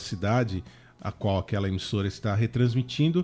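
Moderate pace and ordinary pitch variation in a man's dark, mellow tone. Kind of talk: radio interview.

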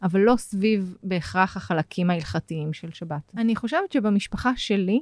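A plain, everyday voice from a woman, medium in pitch, at a fairly slow pace with ordinary pitch variation and a dry, close sound with no echo. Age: 40s. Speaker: podcast guest. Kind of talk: casual interview.

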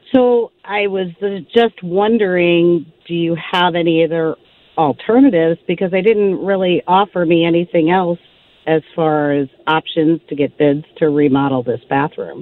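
This woman has a plain, everyday voice, fairly low in pitch. She talks at a moderate pace with ordinary pitch variation. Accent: American. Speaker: caller. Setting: phone call.

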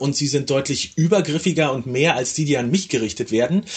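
A man talks at a moderate pace with a fairly high pitch and ordinary pitch variation. His voice is somewhat breathy. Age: 40s. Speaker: author and journalist. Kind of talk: interview conversation.

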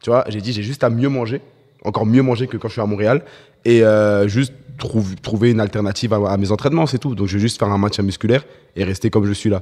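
This man talks at a very fast pace in a dark, mellow tone, his fairly low pitch held in fairly even intonation. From France, Paris suburbs (Cergy). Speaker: content creator. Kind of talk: casual interview chat.

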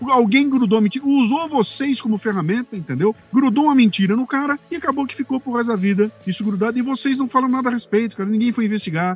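A man talks at a very fast pace in an extremely high pitch. Noticeable background noise sits behind him. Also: ordinary pitch variation. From Bauru, São Paulo interior, Brazil. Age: 60s. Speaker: podcaster and public speaker. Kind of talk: casual interview chat.

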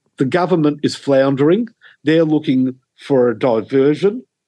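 A man with an Australian accent talks at a moderate pace over a quiet background. His fairly high voice takes very wide pitch swings. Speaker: sports and music podcast co-host, deli owner. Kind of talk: casual chat.

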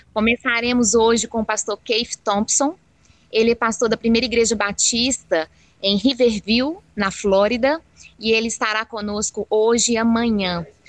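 At a moderate pace and fairly high pitch, a woman with a normal speaking voice keeps fairly even intonation, recorded dry and close with no echo. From Bahia, Brazil (Feira de Santana). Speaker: church event coordinator. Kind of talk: radio interview.

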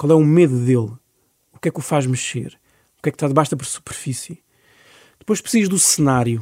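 A man with a fairly high pitch and a dark, mellow, somewhat breathy tone talks at a fairly quick pace with long, frequent pauses and ordinary pitch variation, heard in a dry, close recording with no echo that is very clean, with a silent background. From Lisbon outskirts, Portugal. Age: 40s. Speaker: writer and columnist. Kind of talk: interview.

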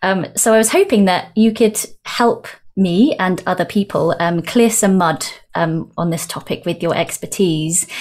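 At a fairly slow pace, a woman with an unremarkable speaking voice talks at medium pitch with ordinary pitch variation. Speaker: podcast host and singing teacher. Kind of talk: interview conversation.

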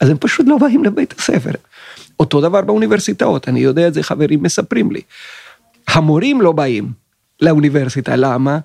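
A man with a fairly high pitch talks at a fairly quick pace, his pitch swinging very widely. Long, frequent pauses break up his speech, and the sound is dry and close with no echo. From Venezuela. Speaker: university dean. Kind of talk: interview.

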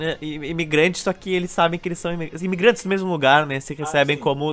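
A man at a very fast pace with ordinary pitch variation and noticeable background noise. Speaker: podcast host. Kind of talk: casual chat, history storytelling.

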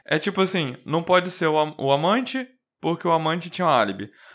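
A man is speaking. His intonation is lively. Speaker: podcast co-host and editor. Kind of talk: casual chat.

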